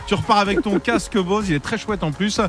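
A man's voice: high voice, brisk, a bit bright, soft background music. A man in his thirties hosting a radio game show, playful and chatty, laughing easily with callers. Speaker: radio host.

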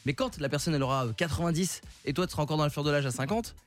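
A man's voice: on the high side, rapid-fire, faint music behind. A man co-hosting radio with casual, teasing banter and frequent exclamations. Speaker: radio co-host.

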